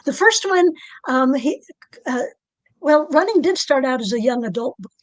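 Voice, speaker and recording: A woman author with a low alto voice, speaking in a halting, soft-spoken way in a casual podcast interview. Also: lively intonation, dry recording. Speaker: author guest.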